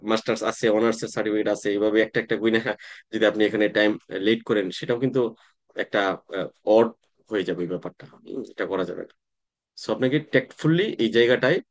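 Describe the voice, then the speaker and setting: A man, teaching an online class in a relaxed, conversational way, often pausing to check that students follow. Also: medium pitch. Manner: conversational teaching with frequent "তাই না?" check-ins and hesitations. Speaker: tax exam coaching instructor.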